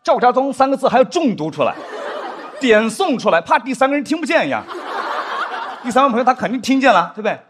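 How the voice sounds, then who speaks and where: A man performing a stand-up comedy set on a studio stage, acting out drama scenes with big pitch swings. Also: big pitch swings, fast talker, slight background noise. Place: studio stage with live audience.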